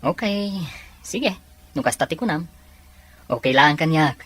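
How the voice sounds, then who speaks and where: A woman voicing a supportive, inquisitive young male buddy with a husky voice in an amateur audio drama. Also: low voice, animated, measured pace, fairly bright tone, exaggerated voice. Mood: concerned, accepting.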